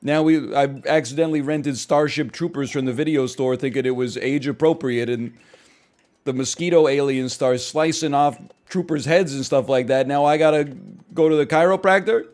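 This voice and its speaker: A man in his thirties riffing casually while streaming games, animated and swinging between loud and quiet for comic bits, on a headset mic at home. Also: a little high, normal speed. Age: 30s. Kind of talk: casual gaming stream chat. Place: small room at home.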